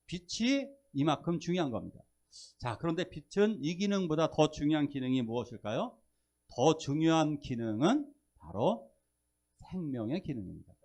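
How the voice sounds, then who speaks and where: A male pastor preaching a Sunday sermon, posing questions to the congregation and joking with them. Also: a little high. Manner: lively, asks the congregation questions and jokes with them. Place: church service.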